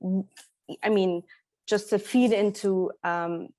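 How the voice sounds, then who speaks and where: A woman's voice: mid-range voice, fairly even intonation, slow, dark tone, no room sound. A woman from Egypt giving a conference presentation, speaking hesitantly with many fillers and restarts. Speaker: speaker presenting at an academic talk.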